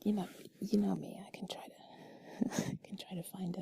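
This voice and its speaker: A woman telling a personal story in an intimate, cuddly, breathy whisper, soft, rambling and confiding, as if to one listener. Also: mid-range voice, level tone, normal speed, dry recording, studio quality. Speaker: intimate audio creator.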